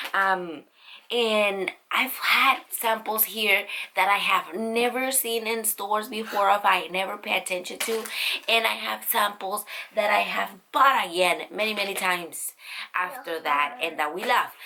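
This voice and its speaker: A woman with a medium pitch and ordinary pitch variation talks at a fairly slow pace against noticeable background noise. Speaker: unboxing vlogger. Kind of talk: product unboxing review. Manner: casual, chatty.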